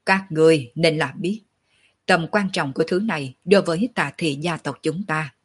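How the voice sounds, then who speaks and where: A woman's voice: low-pitched, slightly rough. A woman voicing a dignified, commanding old male clan patriarch in a storybook reading. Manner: measured, commanding, calls himself old man.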